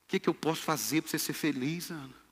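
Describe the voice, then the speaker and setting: A preacher playing a devoted husband gently reassuring his wife. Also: a little high, fast, husky, long reverb tail, voice pushed up. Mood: coaxing.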